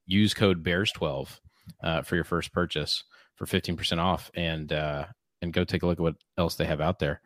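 A man co-hosting a casual podcast, talking in a halting way with many fillers and restarts. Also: low-pitched, steady tone, fairly bright tone, no room sound. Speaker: podcast co-host. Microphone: podcast microphone.

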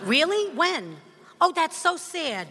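A woman's voice: sing-song, a faint crowd, a little hiss or hum, heavily acted. A woman voicing a fussy old Jewish grandmother who introduces a panel, doting and kvetching with Yiddish words. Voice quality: gravelly, high and sharp. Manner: kvetching, Yiddish-peppered, slow and drawn out. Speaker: panel announcer.

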